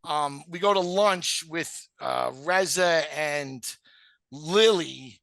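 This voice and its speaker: A man's voice: a little high, takes it slowly, vocal fry, a bit bright, no echo. A man hosting a casual rewatch podcast, talking bluntly and joking with plenty of swearing. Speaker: podcast host.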